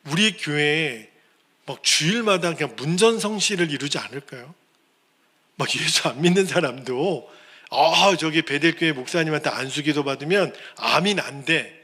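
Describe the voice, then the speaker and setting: A man's voice: fairly high pitch, bright, forceful tone. A male pastor preaching a sermon in an earnest, pleading manner, now and then acting out the people he quotes.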